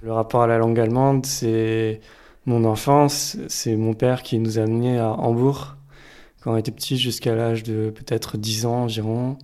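A man's voice: mid-range voice, flat delivery, moderate pace, dark tone. A man recounting his childhood in an interview, plain and reflective. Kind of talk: personal testimony.

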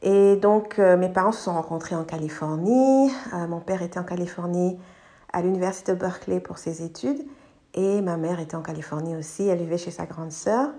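With a lowish, mellow voice, a middle-aged Ivorian podcast host reflects on her life in a personal monologue. She is a native English speaker who pauses to search for words and mixes in English ones.

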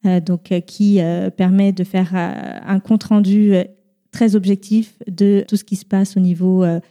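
A young woman from France and a mother, talking casually on a podcast, halting with many fillers. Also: mid-range voice, little pitch movement, dark tone. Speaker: podcast guest. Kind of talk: casual round-table chat.

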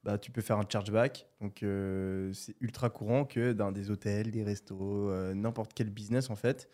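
A man co-hosting a casual podcast, making an emphatic, argumentative case and filling pauses with "euh". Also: fairly low pitch, fairly even intonation, dark tone. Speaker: podcast co-host.

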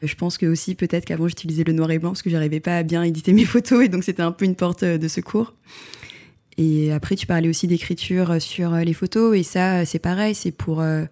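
Hesitant, mellow-voiced woman photographer. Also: lowish voice, fairly even intonation, fairly quick. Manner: hesitant, many fillers and restarts. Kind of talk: reflective interview answers.

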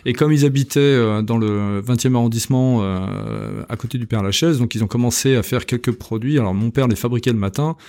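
A man's voice: medium pitch, fairly quick, few pauses, darkish tone. A man in his fifties from France, a company director talking in a casual interview, hesitant with many fillers and restarts. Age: 50s. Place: company premises.

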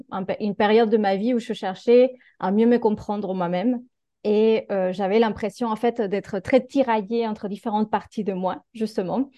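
Podcast guest: woman, 30s, from Argentina, mellow and dry, thoughtful with frequent pauses. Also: mid-range voice, dry recording. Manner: reflective, hesitant with many fillers. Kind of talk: casual interview chat.

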